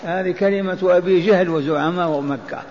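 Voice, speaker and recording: A man's voice: sits high, brisk, a little mellow. A man delivering a sermon explaining scripture, emphatic and repetitive, asking rhetorical questions. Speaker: preacher. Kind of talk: Quranic exegesis sermon. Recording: dull lo-fi recording with faint noise.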